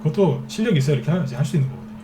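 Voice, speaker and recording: A man's voice: on the high side, expressive, racing, dark tone, a little hiss or hum. A man giving a stock trading lecture as a market expert, who keeps asking rhetorical questions and answering them himself. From Seoul capital region.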